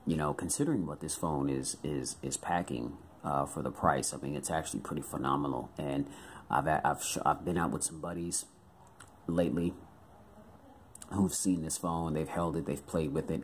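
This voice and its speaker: Hoarse American guy with a very deep voice, casual fillers, light background noise. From United States. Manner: chatty with many fillers. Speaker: tech reviewer. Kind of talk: casual product review.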